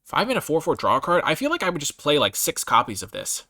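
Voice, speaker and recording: Animated, bright-voiced man reviewing game cards. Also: on the high side, fast talker, no echo, studio quality. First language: English. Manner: opinionated, thinks aloud, hedging and revising his grades. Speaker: host reviewing trading card game cards. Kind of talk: casual off-the-cuff card review commentary.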